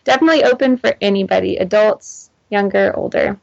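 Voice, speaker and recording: A young woman guest on a podcast, soft-spoken with a soothing, slightly girlish voice. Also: mid-range voice, a little fast, gravelly, dull audio. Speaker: podcast guest, co-host of another show. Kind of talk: casual podcast interview.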